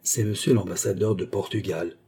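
A man's voice: mid-range voice, moderate pace, dark tone, husky, pitched above the performer's own voice, natural voice. A man reading a solemn, bowing court jeweller. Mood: grave. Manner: formal, solemn. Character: grave, deferential male court jeweller.

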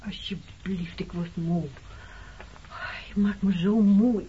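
A woman's voice: medium pitch, steady tone, slow pace, a little hiss or hum, natural voice. An actress playing a weary, defensive woman in her thirties, haunted by her wartime past, in a radio play. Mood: weary, sad. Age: 30s. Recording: dull old radio play recording.

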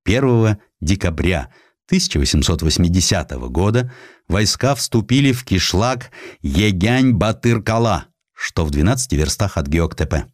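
A man reading a historical essay as an audiobook narrator, in an expressive, measured literary manner with distinct pauses. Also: low voice, no room sound, clean studio sound.

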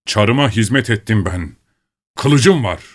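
A man's voice: fairly low pitch, lively intonation, measured pace, pitched above the performer's own voice. A man voicing a pompous, indignant old dead general in an audiobook, talking in a stiff, blustering way. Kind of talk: audiobook character reading.

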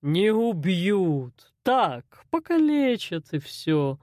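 A woman voicing a cold, menacing male loan shark boss in an audiobook, speaking slowly and mockingly. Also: fairly low pitch, very animated, a little mellow, no room sound, studio quality, heavily acted. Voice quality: slow, drawling, mocking. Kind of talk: audiobook character voice.

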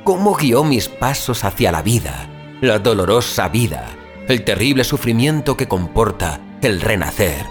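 An actor playing an anguished injured father waking from a coma, in a halting, brooding monologue for audio fiction. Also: fairly low pitch, sing-song, soft background music. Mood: solemn, reflective. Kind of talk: dramatic first-person audio fiction monologue.

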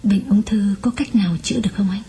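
A man reading aloud voices a grieving woman at her old lover's sickbed, speaking softly with a choked, pleading tone. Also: sits high, moderate pace, husky, faint music behind, pitched above the performer's own voice. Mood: tender, hushed. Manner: soft, choked, pleading, at times whispered. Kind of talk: audiobook reading.

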